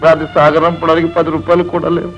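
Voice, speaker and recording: A man's voice: fairly high pitch, completely flat delivery, fast, fairly bright tone, faint music behind, lightly acted. An actor playing a poor, middle-aged village uncle who mourns his sister in a heavy, lamenting way. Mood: grieving. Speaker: grieving uncle. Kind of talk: 1970s Telugu film acting. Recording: dull old film soundtrack.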